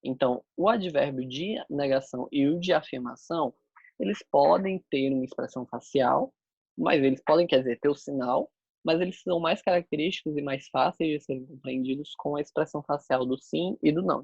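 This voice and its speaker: A man's voice: medium pitch, fairly quick, vocal fry, darkish tone, slightly rough, no room sound, dull audio. A man teaching a sign language class, explaining step by step as he demonstrates the signs.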